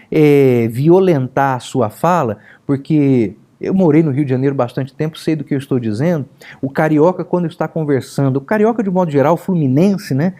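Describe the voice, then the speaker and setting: A man from São Paulo state, Brazil, with a countryside São Paulo accent, teaching a lesson on preaching as a pastor in a lively, emphatic way. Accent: São Paulo countryside Brazilian Portuguese. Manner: lively and emphatic, with sudden pitch jumps. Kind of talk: recorded lesson.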